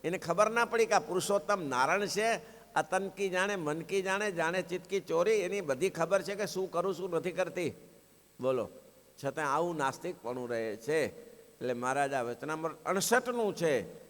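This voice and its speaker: A man with a Gujarati accent giving a sermon, telling a story and acting out its voices with swings in pitch. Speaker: preacher giving scripture discourse. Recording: long hall reverb.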